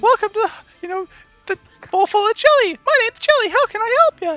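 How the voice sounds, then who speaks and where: Music plays behind an extremely high, put-on character voice delivered at a fairly quick pace. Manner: cheerful, customer-service.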